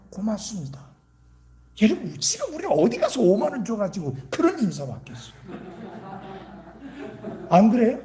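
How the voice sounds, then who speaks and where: A man's voice: sits high, warm tone. A man preaching at a church revival meeting, asking the congregation rhetorical questions and sometimes dropping his voice to a whisper. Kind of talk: sermon.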